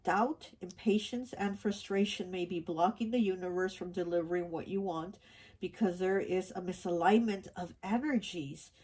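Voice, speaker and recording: A tarot reader gives a casual card reading, rambling with many fillers and restarts, her voice stuffy and nasal from allergies. It is lowish, husky and darkish in tone, at normal speed.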